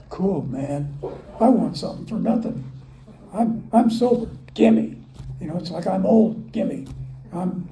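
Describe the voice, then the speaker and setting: A man's voice: high voice, dark tone, reverberant, low-quality recording. An older man at a recovery meeting, telling his story in a folksy, self-mocking way. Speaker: AA speaker. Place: club meeting room.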